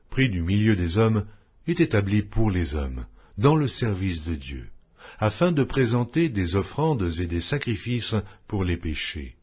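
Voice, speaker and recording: Husky low-voiced man reading scripture solemnly. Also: highs cut off. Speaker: Bible narrator.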